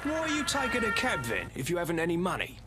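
Jumpy young cabbie, lively pitch. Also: male voice, fast. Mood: suspicious. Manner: wary, easily panicked. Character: suspicious, jumpy young male taxi driver. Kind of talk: animated cartoon acting. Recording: music behind voice.

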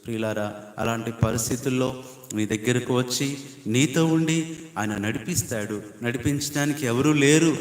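A man's voice: mid-range voice, moderate pace. Emphatic male preacher in an echoing hall. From India. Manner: emphatic preaching in repeated numbered points, rising to loud appeals. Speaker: pastor. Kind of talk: sermon. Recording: echoey hall with long reverb.

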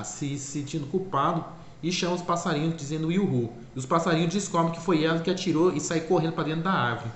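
A man's voice: fairly high pitch, fairly bright tone. A man casually retelling a cartoon's plot in a rambling way, often correcting himself. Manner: rambling, self-correcting, repeats "é claro". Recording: echoey room, faint ambient noise.

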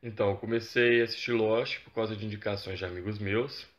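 A man's voice: on the low side, quick pace. Young guy talking casually into his phone, kinda rambly, muffled lo-fi sound. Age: young adult. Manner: relaxed, rambling with fillers. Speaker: interviewed fan. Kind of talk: casual testimonial. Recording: dull, lo-fi phone recording.

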